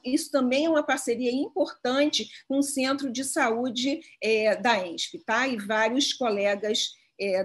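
Woman, slightly high voice, presenting research on a video call, halting delivery with frequent fillers. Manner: hesitant, many filler pauses. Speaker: lab head giving a symposium talk. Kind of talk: online academic presentation.

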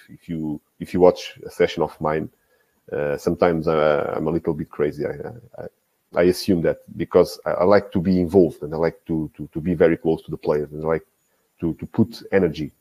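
Halting, husky, deep-voiced man on a video call. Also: warm tone. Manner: halting, many restarts and repeated words. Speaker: guest football coach. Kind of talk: casual interview talk. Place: small indoor room. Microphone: video call, earphones with mic.

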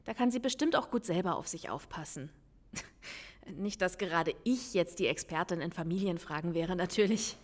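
A woman's voice: on the low side, expressive, moderate pace. An actress playing a reassuring, informal female police lieutenant in a crime audio drama.

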